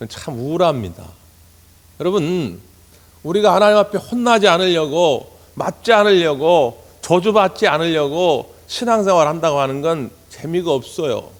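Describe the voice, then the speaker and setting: A man's voice: fairly high pitch, expressive, normal speed. A man preaching a sermon as pastor, telling stories and earnestly addressing the congregation. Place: church sanctuary. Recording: long church hall reverb.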